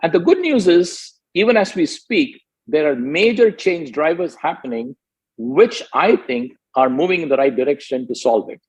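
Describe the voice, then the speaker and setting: A man giving a business presentation as a company executive, emphatic and deliberate, point by point. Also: on the high side, animated, darkish tone, breathy edge, poor audio.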